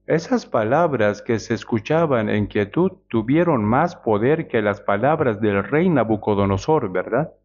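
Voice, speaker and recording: A male preacher giving a measured sermon, often asking the congregation rhetorical questions. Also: mid-range voice, lively intonation, a little mellow. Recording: dull lo-fi sound.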